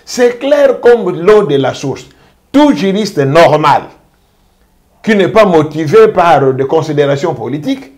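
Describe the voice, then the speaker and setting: Emphatic man making a measured legal case. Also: fairly high pitch, a little mellow. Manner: emphatic, measured legal argument with deliberate repetition. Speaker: jurist. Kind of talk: interview commentary.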